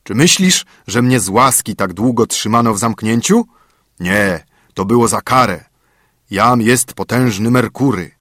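A towering spirit just let out of a bottle, booming slow and menacing in a husky voice, as a man reading a storybook puts him on. His threats rise and fall widely in pitch. The recording is dry and close, with no room sound. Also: lively intonation, a bit bright, dry recording. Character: huge boastful male spirit freed from a bottle.

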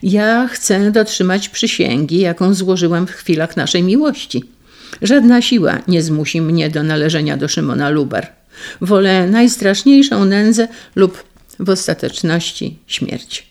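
A reader voicing a devoted young noble woman in an audiobook, urgent and pleading, with a gravelly edge. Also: lowish voice, lively intonation, measured pace, darkish tone. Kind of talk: audiobook reading.

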